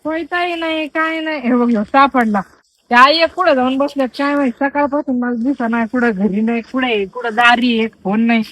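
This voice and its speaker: Young woman, rural Marathi accent, high voice, grumbling to herself, talking to animals, close dry sound. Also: sharp tone, dry recording, low-quality recording. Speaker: farm housewife vlogger. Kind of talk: casual monologue during chores. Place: rural farmyard outdoors with goats.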